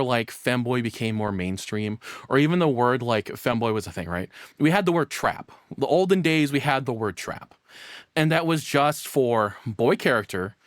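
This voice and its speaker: A man's voice: mid-range voice, no room sound, studio quality. A man giving casual, off-the-cuff reaction commentary, rambling and blunt, with plenty of swearing. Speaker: streamer reacting to a video.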